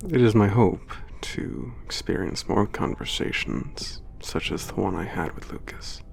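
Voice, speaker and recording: A man voicing an ancient, gentle male giant who speaks calmly and formally. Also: low-pitched, a little slow, vocal fry, soft background music, full character voice. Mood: reflective. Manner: calm, formal, soft-spoken. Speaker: letter-writing narrator. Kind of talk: ASMR audio drama.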